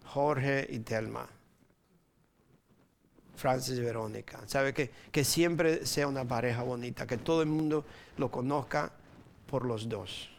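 A Dominican man in his sixties with a Dominican Spanish accent, giving an informal sermon with personal stories, playful and quick to chuckle, dropping in English words. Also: medium pitch, vocal fry. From Dominican Republic. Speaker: preacher.

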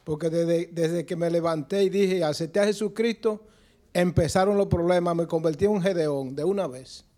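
A man in the congregation speaks up during a church service, telling his testimony in a halting way and repeating words as he goes. His voice is fairly high but soft and warm in tone. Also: steady tone. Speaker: church member giving testimony.

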